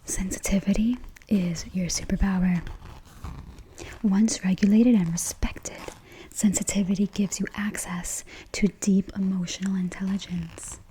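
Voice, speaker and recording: Hushed, whispering woman in soft mellow ASMR. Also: medium pitch, fairly even intonation, slight background noise, poor audio. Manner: gentle, deliberate, reassuring affirmations.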